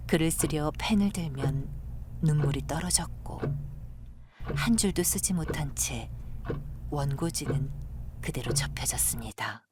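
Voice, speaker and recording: A woman narrating a literary audio drama in a hushed, solemn, lyrical manner with a breathy voice. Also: rumbling low, noisy background.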